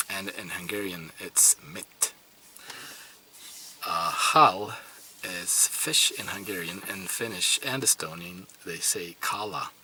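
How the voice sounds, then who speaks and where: A man whose first language is Swedish speaks slowly and hesitantly, often pausing on fillers and restarting his sentences. His voice is lowish but very bright. A faint hiss sits under the recording. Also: rough recording. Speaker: language learner vlogger. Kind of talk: casual talk to camera.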